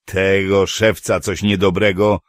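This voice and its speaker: A man voicing a gruff, crude male dwarf who schemes and talks bluntly in an audiobook. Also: low-pitched, level tone, a little slow, no room sound, studio quality. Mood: scheming. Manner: coarse, conspiratorial.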